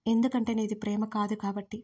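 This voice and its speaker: A woman voicing an angry, grieving young man in an audio story, harsh and shouting. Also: mid-range voice, little pitch movement, fairly quick, slightly rough, lightly acted.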